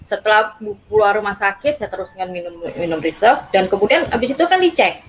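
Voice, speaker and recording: A woman's voice: medium pitch, animated, slight background noise, low-quality recording. Hesitant woman recounting her experience. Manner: hesitant, halting, many fillers. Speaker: guest. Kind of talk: personal account in interview.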